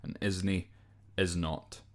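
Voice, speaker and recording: A Scottish man hosting a podcast in a deep voice. He explains slang casually at an unhurried pace, with an informal, hesitant delivery and a habit of spelling things out. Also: flat delivery. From Scotland. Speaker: podcast host.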